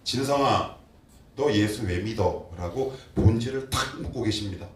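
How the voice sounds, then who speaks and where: A man preaching a sermon as pastor, acting out prayers and questions in a raised voice. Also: mid-range voice. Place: church sanctuary. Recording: roomy church sound from a distant mic.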